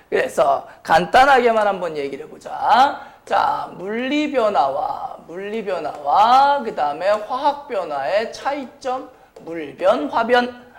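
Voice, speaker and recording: A man with a strained, sore throat lecturing as a science teacher, blunt and informal, often putting questions to the class. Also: high voice. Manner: question-and-answer delivery, repeatedly prompting students; blunt, informal speech to students. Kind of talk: high school chemistry lecture.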